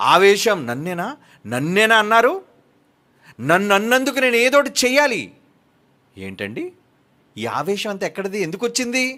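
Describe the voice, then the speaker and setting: A man's voice: high-pitched, bright, forceful tone. A man preaching a sermon with a Telugu accent, asking his listeners questions and answering them himself with emphasis. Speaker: pastor.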